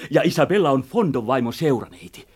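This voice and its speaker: A man's voice: medium pitch, animated, darkish tone, slightly rough. An actor playing an eager, agitated male messenger in a radio drama, talking urgently. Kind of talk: 1960s radio drama acting.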